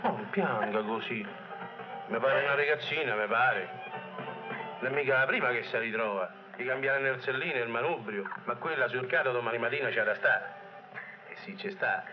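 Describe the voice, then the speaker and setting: A man's voice: medium pitch, normal speed, lightly acted. Male actor as down-to-earth Roman pal, reassuring dialect speech, dull vintage film track with music behind. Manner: colloquial Italian dialect, matter-of-fact. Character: burly, practical, reassuring working-class friend, adult man. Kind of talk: 1940s Italian film acting in Roman dialect.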